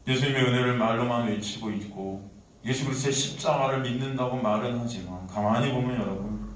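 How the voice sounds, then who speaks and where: Korean male pastor, Seoul accent, impassioned sermon with sudden loud and soft turns, recorded from afar in a reverberant sanctuary. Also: mid-range voice, a little hiss or hum. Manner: dramatic swings from soft to loud, acting out voices. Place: church sanctuary. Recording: echoey church hall, mic at a distance.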